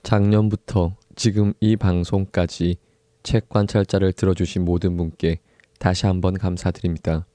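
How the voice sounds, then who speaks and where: A young man hosting his own book podcast, talking in an easygoing, soft-spoken way with pauses and small laughs. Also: sits low, level tone, dry recording. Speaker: podcast host. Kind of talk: casual solo book podcast talk.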